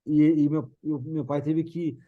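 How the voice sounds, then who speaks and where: A mature Brazilian man reminiscing casually in conversation, halting and restarting his phrases. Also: fairly high pitch, fairly even intonation, narrow, tinny audio. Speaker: guest recalling a parent's career.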